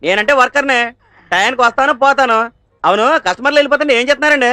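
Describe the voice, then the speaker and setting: A cheeky, sulky shop worker. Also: male voice, extremely high pitch, very fast, sharp tone, clear, resonant tone, no echo. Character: cheeky young male shop worker, full of attitude. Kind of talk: film comedy acting.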